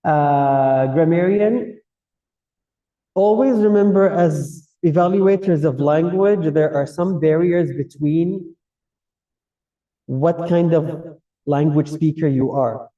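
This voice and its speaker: A general evaluator at a public speaking club meeting gives semi-formal spoken feedback to the club audience, explaining his points directly in English shaped by his native Arabic. He has a Kuwaiti Arabic accent and speaks slowly, with a very dark, soft-edged tone pitched fairly high. The recording is dull and muffled, taken from a distant mic.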